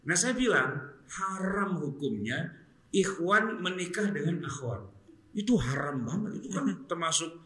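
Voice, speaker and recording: Bright-voiced man, chatty religious teacher. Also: fairly high pitch, a little slow. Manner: chatty, joking, animated explaining. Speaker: Islamic teacher. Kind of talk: casual religious study talk. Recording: roomy echo.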